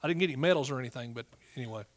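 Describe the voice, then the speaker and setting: A man's voice: mid-range voice, very fast. A middle-aged man with an East Texas accent preaching a sermon in a folksy, emphatic way, prompting listeners as he goes.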